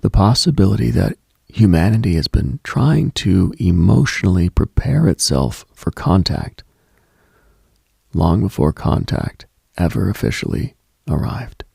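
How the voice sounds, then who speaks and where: Male late-night radio host, husky and slow, solemn dramatic monologue with expressive swings in pitch, very dry close sound. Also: dry recording.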